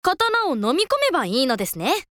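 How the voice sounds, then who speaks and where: A quick-witted young boy monk; high, lively, polite and cheerful, light music underneath. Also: slight background noise. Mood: sly. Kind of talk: children's folk tale audio drama.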